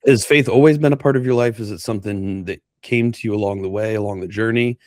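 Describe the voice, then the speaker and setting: A man's voice: on the low side, fast, a little mellow, no echo, studio quality. A man hosting a podcast interview, chatting in an easygoing way and asking open questions. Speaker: podcast host. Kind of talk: interview chat.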